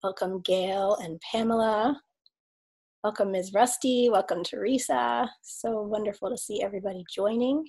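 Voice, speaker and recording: A woman's voice: mid-range voice, normal speed, breathy edge. A woman hosting an online video call, welcoming attendees by name, her voice slightly scratchy from a cold. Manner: warm welcoming, reads out chat names. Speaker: host, life coach.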